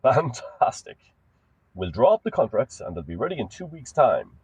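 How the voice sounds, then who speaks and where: Man voicing smug low-voiced money man, lively delivery. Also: moderate pace, breathy edge, no room sound. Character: smug slow-talking man posing as a rich benefactor.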